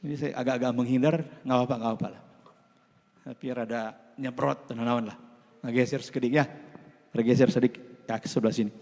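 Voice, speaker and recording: A man with a Sundanese accent preaching a Christmas sermon in a church, lively and playful, with jokes and laughter. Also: medium pitch, fairly quick, gravelly, pauses often. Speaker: pastor. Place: church hall. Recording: long hall reverb.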